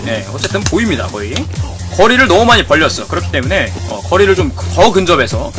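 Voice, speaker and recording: High, lively man swearing at a game. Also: quick pace. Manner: excitable, swears at the game, repeats phrases. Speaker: game streamer. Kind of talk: fighting game tutorial commentary. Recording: music playing behind.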